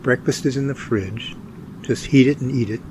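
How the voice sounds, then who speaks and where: A man's voice: mid-range voice, moderate pace, background noise, close to an everyday voice. A man playing an earnest, anxious twenty-seven-year-old survey worker in an amateur radio drama. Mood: puzzled.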